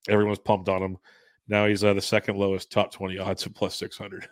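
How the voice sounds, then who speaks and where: A man's voice: sits low, monotone, brisk, no room sound. A man co-hosting a casual sports podcast, talking loosely while sick. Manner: loose, rambling, chuckles often. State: sick, under the weather. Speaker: podcast co-host. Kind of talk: casual sports betting chat.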